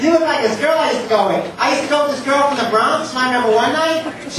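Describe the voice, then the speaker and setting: A man's voice with ordinary pitch variation, strong echo off the room, and noticeable noise in the background. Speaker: stand-up comedian. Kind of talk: stand-up comedy routine. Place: stage.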